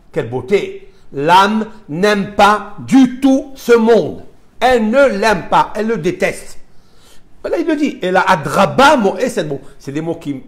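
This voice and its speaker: Animated, high-voiced male rabbi. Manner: animated, emphatic, asks rhetorical questions; mixes Hebrew terms into French. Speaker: rabbi teaching a Torah class. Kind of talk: live religious lesson to students.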